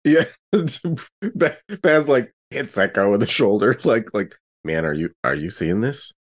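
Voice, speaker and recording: Low-voiced man, casual game player. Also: expressive, a little slow. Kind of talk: casual improvised roleplay chat.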